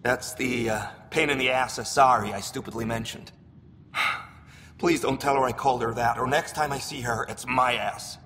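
Man playing a sharp-voiced, wheedling alien scavenger. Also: mid-range voice, fairly even intonation, normal speed, close to an everyday voice. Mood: nervous. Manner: hesitant, slick, wheedling salesman. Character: shifty, wheedling male alien scavenger trader. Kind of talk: video game dialogue acting. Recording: hollow reverberant hall with background noise.

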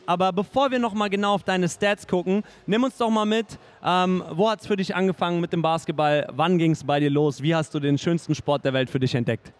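High-voiced, upbeat male interviewer. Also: a little fast, hardly any pauses. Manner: upbeat, chatty, says "nice" and "ähm" a lot. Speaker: host, interviewer. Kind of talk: hosted interview and announcements. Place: indoor studio in front of a sponsor wall. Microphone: handheld mic.

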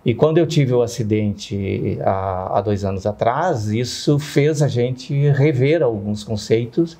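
Mellow-voiced man in his fifties. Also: medium pitch, unhurried. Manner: frequent tag questions seeking agreement. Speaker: interview guest. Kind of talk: conversational personal testimony.

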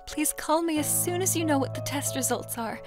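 A woman's voice: sits high, fairly quick, music in the background, close to an everyday voice. An actress playing a troubled, wistful young female student in an audio drama, earnest and hesitant. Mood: concerned. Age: young adult.

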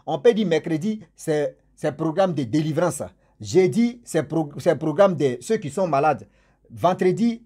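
A man's voice: fairly high pitch, darkish tone, breathy edge. A man telling a story casually, with chatty, jokey asides to his listeners.

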